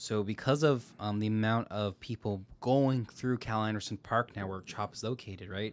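With an ordinary speaking voice, the speaker keeps a moderate pace, fairly even intonation, and hardly any pauses. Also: man, fairly low pitch for a man. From US West, Las Vegas. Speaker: bar owner. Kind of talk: casual chat.

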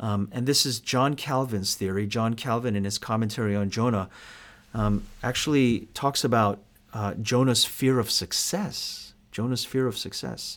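A man with an ordinary speaking voice talks in an American accent at medium pitch. His pace is moderate, his intonation fairly even, and the recording very clean with a silent background. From New York City. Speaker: podcast host and pastor. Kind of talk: teaching monologue. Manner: measured, with frequent fillers.

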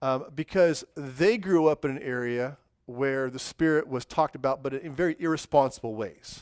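A man with an American accent and a fairly high pitch for a man speaks at a moderate pace with ordinary pitch variation and hardly any pauses, in a plain, everyday voice, on a very clean recording with a silent background and a dry, close sound with no echo. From California. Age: 40s. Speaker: pastor. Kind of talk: sermon. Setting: church. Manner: casual, conversational.

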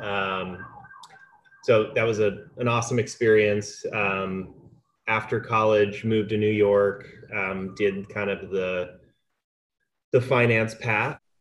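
A man with an American accent, fairly low pitch and monotone, flat intonation, at a very slow pace with long, frequent pauses. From San Juan Capistrano, Southern California. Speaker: coaching client. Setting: video call.

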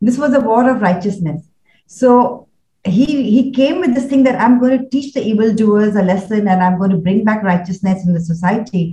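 A woman with a fairly high pitch and a dark, mellow tone sounds somewhat breathy, speaking at a moderate pace with lively intonation. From India. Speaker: Bhagavad Gita teacher. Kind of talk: interview, spiritual teaching. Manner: halting.

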